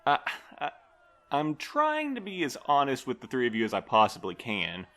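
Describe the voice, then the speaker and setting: A man's voice: mid-range voice, wildly swooping pitch, normal speed, bright, forceful tone, exaggerated voice. A man playing a harried, earnest station manager in an audio drama, formal and wordy in his delivery. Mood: frustrated, earnest.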